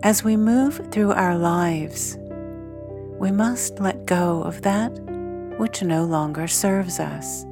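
A woman with a slightly low voice guides a meditation at a very unhurried pace. She speaks soothingly in short, measured phrases with long gaps. Clear music with singing bowl tones plays behind her. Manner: slow, soothing, measured delivery with long pauses. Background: meditation music with singing bowls.

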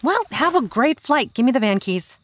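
A woman's voice: a little high, big pitch swings, moderate pace. A woman playing a feisty, skeptical journalist in an adventure audio drama, emphatic and exasperated. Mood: annoyed. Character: skeptical, feisty female journalist reluctantly joining treasure hunters.

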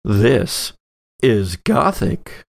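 A man hosting a podcast as game master, giving intros and announcements in a deliberate, playfully emphatic way. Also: medium pitch, big pitch swings, vocal fry, no room sound, studio quality.

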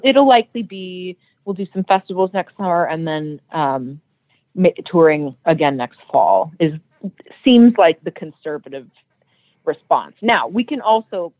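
A woman's voice: fairly low pitch, no room sound. Woman on a tinny phone line. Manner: chatty, restarts often. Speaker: metal band singer. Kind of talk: interview guest.

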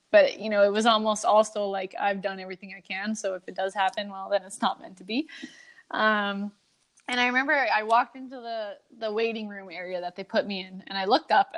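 A young adult woman from Canada, a guest telling her story in a casual, chatty way, laughing often and saying "like" and "you know" a lot. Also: mid-range voice. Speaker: guest, Olympic hockey player.

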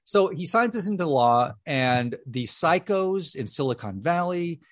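A man's voice: on the high side, very animated, measured pace, no room sound, studio quality. A man co-hosting a casual political talk show, rambling with many restarts and fillers. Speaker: co-host.

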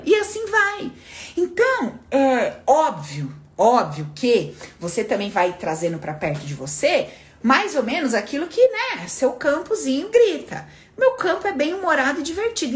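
A woman hosting a live stream, telling stories in a casual, motivational way and acting out the voices she quotes. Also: high voice. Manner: animated storyteller, acts out quoted voices; informal and chatty, calls listeners "minha filha" and "menina".

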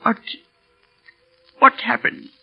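An actor playing a very old, kindly British schoolmaster who talks in a slow, faltering, wistful way, in classic radio drama style. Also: male voice, lightly acted. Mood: dazed. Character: very old, kindly, absent-minded retired English schoolmaster. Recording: muffled old radio broadcast, music behind.

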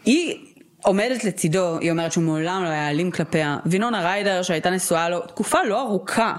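Chatty young woman on a podcast. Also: fairly low pitch. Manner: talkative, quick, with many "like" fillers. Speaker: podcast co-host. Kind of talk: casual chat.

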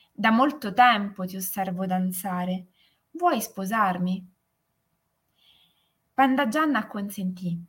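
A woman narrating a fairy tale in a calm, soothing way. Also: mid-range voice, husky. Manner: slow, soothing, gently emphatic. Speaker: storyteller.

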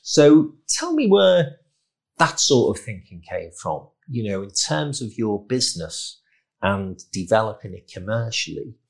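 A man with a fairly low voice hosts a business podcast. He speaks emphatically, with a salesman-like push in his delivery as he presents. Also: sing-song, measured pace. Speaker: podcast host. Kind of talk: podcast interview and promotional announcements.

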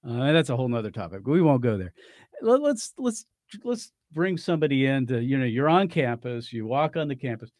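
A man hosting a radio talk show, interviewing his guest in a chatty, conversational way, laughing often and dropping into quiet asides. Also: medium pitch, big pitch swings, fairly quick, dry recording, studio quality.

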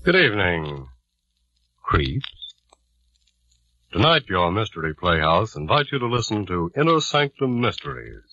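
A sinister vintage horror narrator with a very low, bright voice. He announces an old-time radio show with mock menace, swinging widely in pitch, on a dull vintage recording. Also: big pitch swings, a little slow, pauses often, dry recording, exaggerated voice. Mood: ominous.

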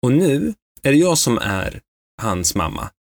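A man's voice: mid-range voice, dry recording. A man co-hosting a casual chat, telling stories animatedly and acting out what people said. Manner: animated storyteller who acts out quotes. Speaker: podcast co-host.

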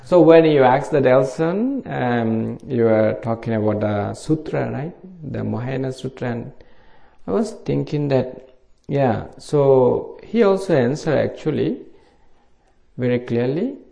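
Speaking simple English with a Bangladeshi accent, a middle-aged monk from Bangladesh delivers a casual dharma talk to a meditation retreat. His medium-pitched voice is gravelly and dark, expressive, and a little slow.

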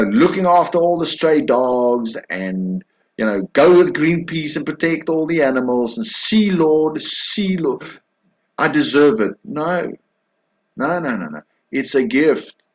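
Animated male preacher with a lively voice. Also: mid-range voice, rough recording. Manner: emphatic, swings from loud insistence to soft hushed tones. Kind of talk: sermon.

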